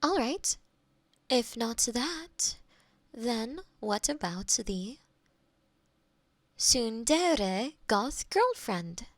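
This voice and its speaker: A woman with a slightly high voice and big pitch swings plays, in heavily acted fashion, a polite, literal AI girlfriend companion who is eager to please. She speaks in a formal, measured, robotically helpful manner, close on a binaural microphone with no room sound, for scripted roleplay ASMR audio.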